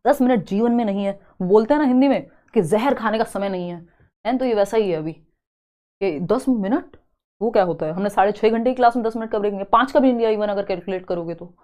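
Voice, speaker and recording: A young woman teaching a live online exam-prep class, chatty and teasing, slowly spelling out word examples. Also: mid-range voice, warm tone. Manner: chatty, teasing students between explanations.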